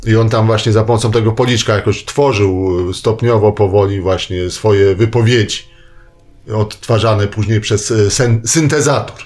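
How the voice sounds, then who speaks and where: A man's voice: on the low side, steady tone, moderate pace, a little mellow. Man giving a discursive spoken column. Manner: discursive, hedging, with tag questions. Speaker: science columnist on a radio show. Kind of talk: spoken popular-science essay, semi-improvised.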